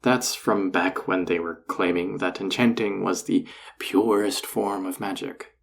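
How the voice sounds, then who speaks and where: A man playing a flirty, self-assured enchanter boss in an audio roleplay, teasing and coaxing the listener in a husky, gravelly voice. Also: on the low side, a little mellow, slight background noise. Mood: casual, persuasive. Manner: teasing, coaxing, casually confident. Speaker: voice actor. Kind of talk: intimate scripted audio roleplay addressed to the listener.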